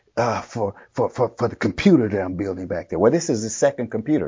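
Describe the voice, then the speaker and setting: A man's ordinary speaking voice, medium in pitch, with lively intonation at a fairly quick pace. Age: 60s. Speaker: guest preacher. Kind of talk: sermon. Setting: church.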